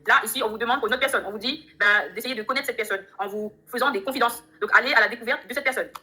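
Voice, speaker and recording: A fast-talking woman reads tarot cards live from her home and talks straight to her viewers. Her voice is bright and a little high, and she keeps the tone chatty and upbeat. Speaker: tarot reader on a live stream. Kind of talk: live tarot reading chat.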